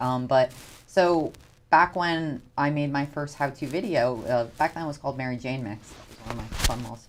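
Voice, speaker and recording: Over noticeable background noise, a woman with an American accent and a very deep, low pitch talks at a moderate pace, with ordinary pitch variation and big swings in loudness. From New Jersey, South River. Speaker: cannabis edibles business founder. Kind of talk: interview.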